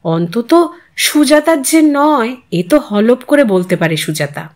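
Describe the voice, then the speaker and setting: A woman reading a literary short story aloud as an expressive narrator and host. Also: a little high, a little slow.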